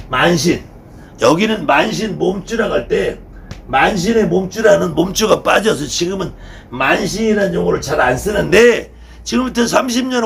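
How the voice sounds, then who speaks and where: Gravelly guy teaching a shaman class, kinda high voice, swoops around a lot, repeats stuff for emphasis. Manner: repeats key words for emphasis; blunt, conversational lecturing. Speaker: shamanism instructor. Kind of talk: informal lecture to students.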